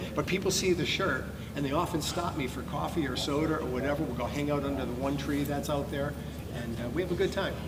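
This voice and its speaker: A man with an American accent talks very fast at a fairly high pitch with ordinary pitch variation, amid audible room echo and noticeable background noise. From Eastern Massachusetts. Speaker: amateur radio convention speaker. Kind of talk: casual chat before a talk.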